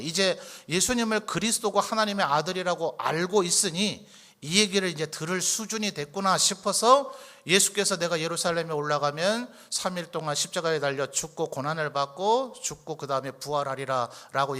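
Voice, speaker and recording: A man preaching in a church, his voice sitting a little high and sounding bright and forceful. He keeps the congregation engaged with rhetorical questions and briefly acts out the lines he quotes. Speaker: pastor. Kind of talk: sermon. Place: church sanctuary.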